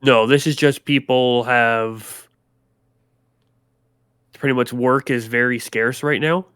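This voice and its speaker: Game master type: man, mid-pitched, clear resonant tone, dry close mic, casual rambling narration. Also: fairly even intonation, slow pace, a bit bright, dry recording.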